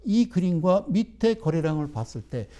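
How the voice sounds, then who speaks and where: A man's voice: sits high, very animated, moderate pace, dark tone. A middle-aged man giving a broadcast trading lecture, emphatic and firing rhetorical questions at his viewers.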